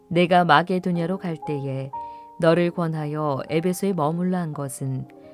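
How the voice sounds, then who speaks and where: With music in the background, a woman talks at a fairly slow pace and fairly low pitch, with fairly even intonation. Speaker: announcer. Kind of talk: scripture reading.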